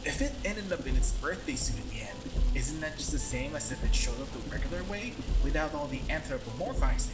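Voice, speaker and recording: A woman's voice: low voice, animated, a little fast, hardly any pauses. A woman playing a jumpy, grumbling young driver in an audio drama, exasperated and sweary. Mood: dry. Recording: echoey, music underneath.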